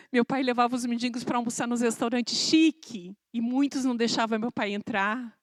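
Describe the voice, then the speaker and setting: Animated Brazilian woman giving a testimony. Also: fairly high pitch, no echo. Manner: dramatic storytelling, acting out dialogue with swings in loudness. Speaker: guest speaker giving a testimony. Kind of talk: emotional church testimony. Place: church service.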